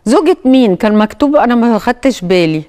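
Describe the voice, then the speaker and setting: A woman's voice: a little high, expressive, mellow. Egyptian woman hosting a TV talk show. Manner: hesitant, pauses with fillers. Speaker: TV host.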